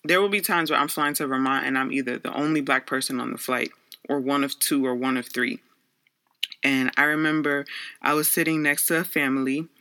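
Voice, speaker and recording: A man's voice: medium pitch, steady tone, fairly quick, sharp tone. A young man from the Bronx, New York, whose first language is Garifuna, earnestly reflecting on his experiences as a social worker. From Bronx, New York, USA. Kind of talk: personal reflective monologue.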